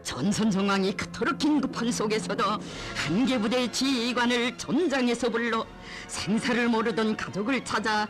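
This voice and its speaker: A woman's voice: on the high side, moderate pace. A woman with a North Korean accent reading scripted propaganda documentary narration in a solemn, reverent, emotive declamatory manner. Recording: music behind the voice. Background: music.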